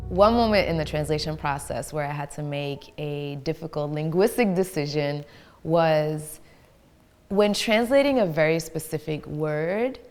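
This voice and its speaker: A woman's voice: sits low, a little mellow. A woman who grew up in Belgium, a writer and translator, speaking thoughtfully in a documentary interview. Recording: clear music underneath.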